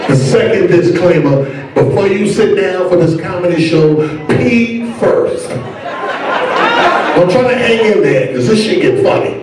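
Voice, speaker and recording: A man hosting a stand-up comedy show in a hotel ballroom, joking loudly and profanely with the audience on a handheld mic. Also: sits high, expressive, a little slow, noisy background. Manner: loud, profane, laughing banter with the crowd. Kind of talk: stand-up crowd work. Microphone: handheld mic, filmed from far back. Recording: echoey ballroom, distant camera, loud crowd. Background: loud music and laughing crowd.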